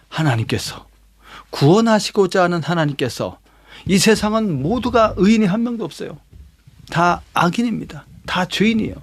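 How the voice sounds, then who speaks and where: A middle-aged man preaching a sermon as a pastor, explaining scripture verse by verse with rhetorical questions and prompting asides. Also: high-pitched.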